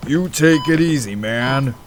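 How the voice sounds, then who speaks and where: A man's voice: medium pitch, unhurried, background noise, lightly acted. A man voicing a laid-back, casual hospital colleague in an audio drama. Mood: subdued. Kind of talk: amateur audio drama acting.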